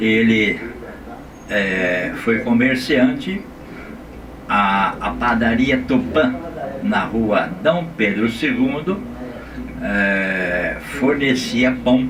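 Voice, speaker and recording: Lively intonation carries very slow speech full of long, frequent pauses, with noticeable background noise and audible room echo. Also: man, medium pitch for a man. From Guarulhos, São Paulo state, Brazil. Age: 70s. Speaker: retired teacher, interviewee. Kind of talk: interview.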